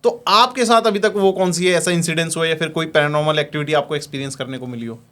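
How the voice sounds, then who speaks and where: A man hosting a casual podcast interview, asking relaxed questions and prompting his guest with short replies. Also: fairly high pitch, fast talker. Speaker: podcast host.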